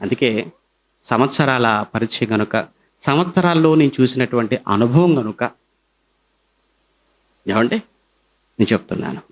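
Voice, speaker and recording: A middle-aged man with a Telugu accent, preaching a sermon as pastor, his pitch swinging high and low as he presses his points.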